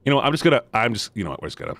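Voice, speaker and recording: A man's voice: medium pitch, very animated, racing, fairly bright tone, soft background music. A man streaming as he reads a visual novel aloud, swinging between narration and chatty asides to his chat. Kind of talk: live stream reading and reacting.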